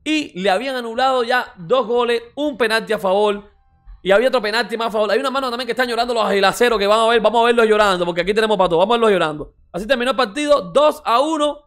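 Fast, high-voiced mocking man. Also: a bit bright, faint music behind. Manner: mocking, repeats exclamations, swears, rapid rants. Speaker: football reaction streamer. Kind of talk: casual mocking reaction commentary.

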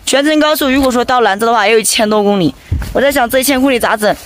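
A woman, a motorcycle travel vlogger talking in a plain, chatty way, recorded outdoors at a highway rest stop. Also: rapid-fire, slight background noise. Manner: plain-spoken, teasing and chatty. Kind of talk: casual vlog narration.

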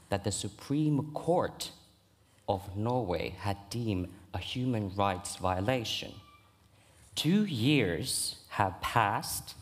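A young Sami man speaking on a stage panel in a slow, deliberate way. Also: lowish voice. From Sami region. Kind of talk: panel discussion. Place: large stage hall. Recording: long hall reverb.

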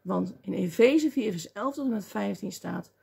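A woman preaching a lively sermon, acting out voices and crying out at times. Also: mid-range voice, normal speed, creaky, husky. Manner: animated, acts out voices and cries out.

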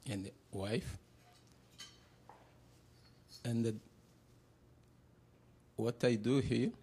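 A middle-aged man speaks slowly and haltingly, pausing often as he introduces himself. His voice is low-pitched and mellow. He talks into a handheld mic in a classroom. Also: slight background noise. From Burundi. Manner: halting, hesitant with many pauses. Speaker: panel guest. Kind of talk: personal introduction.

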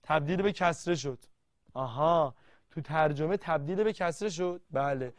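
A man teaching a literature grammar lesson, quizzing the class and reading verses slowly word by word. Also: on the high side, no echo, clean studio sound. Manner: lively, quizzing students and answering himself.

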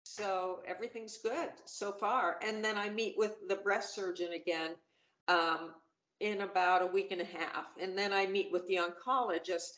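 A woman's voice: medium pitch, fairly even intonation, normal speed, a bit bright. Roomy-sounding middle-aged woman on a video call. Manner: chatty, upbeat, many fillers and restarts. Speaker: panel guest. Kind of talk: casual video-call chat. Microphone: video call webcam. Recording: roomy, dull webcam audio.

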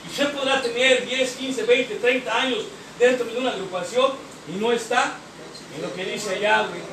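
A man with a Mexican accent speaks in a strikingly high voice, giving a fervent, cursing testimony from a podium and tossing in "eh?" after his points. The sound comes from far off in an echoing hall. Steady noise runs underneath. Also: moderate pace. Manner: profane, rhetorical, keeps tagging lines with slang and "eh?". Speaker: speaker sharing at a recovery group meeting. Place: meeting hall. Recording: echoey hall, recorded from afar, noisy.

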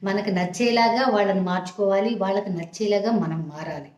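A woman's voice: medium pitch, a little fast, a little mellow, dull audio. Motherly woman advice-giver, echoey room. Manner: motherly, addresses listeners as "amma"; keeps checking "understood?". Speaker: advice channel host. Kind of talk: relationship advice talk.

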